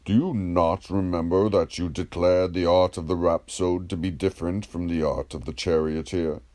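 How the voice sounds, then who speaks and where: A man reading the part of a patient, ironic, probing philosopher in a dramatised dialogue, in a measured, declamatory, questioning manner. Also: low voice, steady tone, darkish tone, lightly acted.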